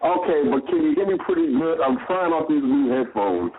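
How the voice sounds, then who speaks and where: A man's voice: a little high, animated, moderate pace. A man co-hosting a podcast in loose, rambling casual chat, heard over a speakerphone line. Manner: loose, rambling, repeats phrases. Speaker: podcast co-host. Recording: tinny phone-line sound.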